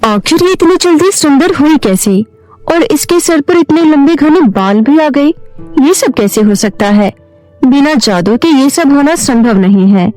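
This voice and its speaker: A woman's voice: sits high, lively intonation, a little slow, a little mellow, soft background music, rough recording. A woman voicing a jealous, scheming young second wife in a cartoon story, resentfully talking to herself. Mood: jealous, suspicious.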